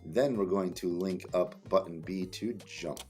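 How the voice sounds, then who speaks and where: A man's voice: sits low, a little slow, a little mellow, faint music behind. A man reading lesson directions aloud as a teacher, with playful exclamations and casual asides. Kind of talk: animated read-aloud tutorial with casual asides.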